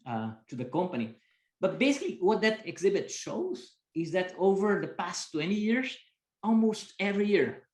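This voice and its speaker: A man's voice: on the high side, echoey room. A man with a Brazilian accent hosting a business school webinar, talking conversationally with frequent "right?" tags. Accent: Brazilian Portuguese. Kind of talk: webinar presentation.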